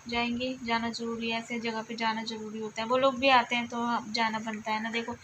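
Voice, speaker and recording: A woman vlogger talking softly and reflectively to her viewers while lying down at home, often repeating herself. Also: a little high, level tone, brisk, noisy background. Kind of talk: casual confiding chat to viewers.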